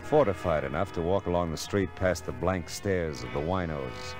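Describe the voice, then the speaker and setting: Lightly acted and low-pitched at a normal speed, a man performs a laconic, wisecracking detective from classic radio drama. He narrates and needles people in a wry, world-weary mood, over music on an old recording.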